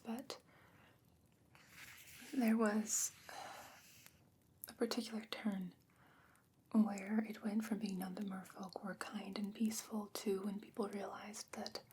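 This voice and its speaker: A woman playing a gentle, patient fantasy scholar who defends merfolk, speaking in a hushed, measured, explanatory way in a whispered ASMR roleplay. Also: mid-range voice, slight background noise, natural voice. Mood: wistful, regretful.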